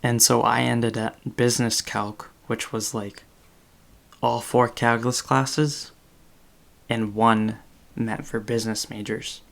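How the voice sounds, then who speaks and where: A man's voice: mid-range voice, level tone, slow pace, vocal fry. A man in his twenties, a podcast host talking in casual chat on a video call, rambling with many fillers and self-corrections. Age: 20s. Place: small room indoors.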